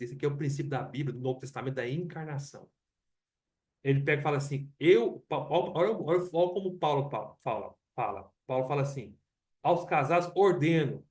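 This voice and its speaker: A Brazilian-accented man teaches a Bible study in a church hall, talking conversationally, repeating points and asking rhetorical questions. His voice is on the high side, and the mic picks him up from afar.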